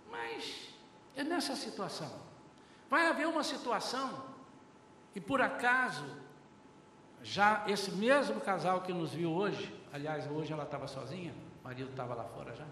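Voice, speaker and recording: An older pastor with a Brazilian Portuguese accent preaches a lively sermon, acting out conversations and calling the congregation brothers. His voice is high-pitched, heard from far off in a very echoey large church hall with slight background noise.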